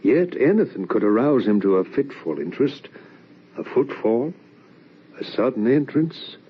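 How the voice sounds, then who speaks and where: An actor playing an anguished, probing young son in an old-time radio drama, with earnest, theatrical, questioning delivery. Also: male voice, medium pitch, big pitch swings, moderate pace, a little hiss or hum, close to an everyday voice. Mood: somber, brooding. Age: young adult. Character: anguished, probing young adult son narrating a ghost tale. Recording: dull, lo-fi old radio recording.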